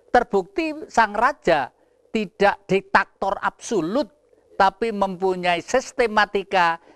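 A man speaks in a Javanese accent at a fairly slow pace, his intonation lively. The background is quiet and the sound is dry, with no echo. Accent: Javanese-accented Indonesian. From East Java, Indonesia. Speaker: talk show host. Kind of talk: talk show. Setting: studio. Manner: formal. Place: studio.

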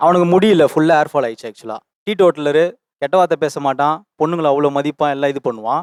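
Recorded dry and close with no echo, a man with a fairly high pitch and a normal speaking voice talks with ordinary pitch variation. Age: 20s. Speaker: talk show panelist from groom's side. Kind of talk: talk show debate.

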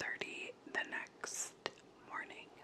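The speaker is a woman, and she whispers. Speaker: ASMR true crime content creator. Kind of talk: true crime ASMR narration, slow clicky whisper. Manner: whispered, slow, relaxing. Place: home room. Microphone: studio mic.

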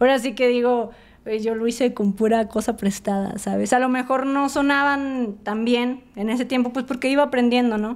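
A woman with a Mexican accent speaks at a moderate pace in a high voice, her intonation fairly even. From San Luis Potosí, Mexico. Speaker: singer and music producer; podcast guest. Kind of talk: casual interview. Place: studio. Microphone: studio mic.

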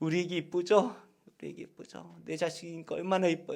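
A man's voice with vocal fry at a moderate pace, on a very clean recording with a silent background. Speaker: pastor. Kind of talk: sermon.

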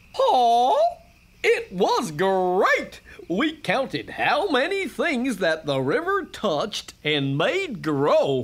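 A cartoonish character voice, fairly high in pitch, at a very slow pace. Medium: puppet. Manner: goofy, excitable.

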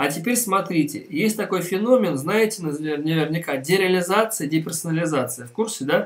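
A man speaks at a high pitch with ordinary variation. His pace is moderate, with hardly any pauses. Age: 30s. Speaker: psychotherapist; psychotherapist webinar host. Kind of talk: livestream lecture. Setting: online video stream. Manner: animated; informal. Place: office. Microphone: webcam.

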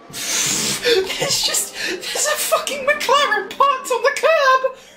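A squeaky, put-on character voice at a very slow pace. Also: woman, extremely high pitch for a woman. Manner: joking.

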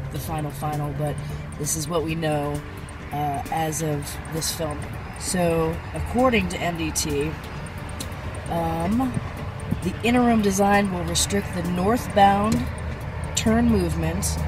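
Music plays in the background as the speech moves at a fairly slow pace. There are long, frequent pauses, and the sound is dry with no echo. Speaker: radio host. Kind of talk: commentary. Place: car. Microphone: phone near.

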